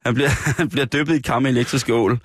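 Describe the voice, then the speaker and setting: En mandlig radiovært i en komisk snak, der med gravalvorlig, tør tone læser lokale politinyheder op og ofte tøver og starter forfra. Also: male voice, mid-range voice, slight background noise. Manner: mock-solemn, deadpan reading of news; many fillers and hesitant restarts. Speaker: radio comedy host. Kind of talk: improvised comic radio banter. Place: radio studio.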